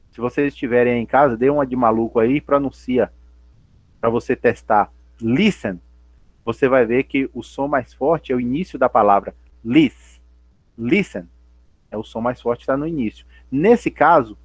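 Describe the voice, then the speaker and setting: A man teaches a class remotely, explaining patiently and going over each point again. His voice is slightly husky and sits in the middle range, recorded close and dry with no room echo. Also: mid-range voice. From Brazil. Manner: patient, repeats and spells out points, asks and answers himself. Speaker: English teacher.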